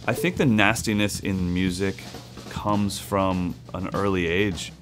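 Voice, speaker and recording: A man's voice: deep voice, steady tone, takes it slowly, over loud music. A man who teaches drums online, speaking earnestly and reflectively in a documentary interview.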